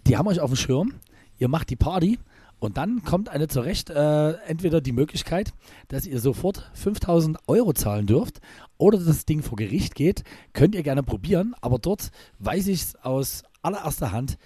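A man co-hosting a podcast in casual chat, with a slightly husky voice, rambling with many restarts and fillers. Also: a little high, big pitch swings, moderate pace, warm tone, no room sound. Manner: rambling, restarts often with filler sounds, chuckles. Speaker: podcast co-host and DJ.

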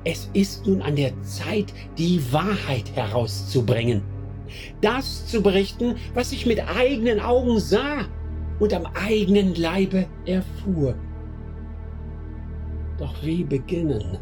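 An actor playing a young medieval eyewitness narrating gravely and deliberately in a radio play. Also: male voice, sits high, lively intonation, a little mellow. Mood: grave, brooding. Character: sixteen-year-old medieval eyewitness recounting a crusade, grave. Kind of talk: scripted first-person narration in a German radio play. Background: clearly audible music.

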